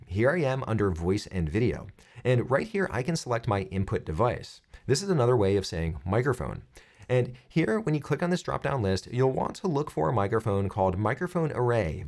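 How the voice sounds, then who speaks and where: A man in his thirties presenting a software tutorial, explaining things clearly step by step. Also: medium pitch.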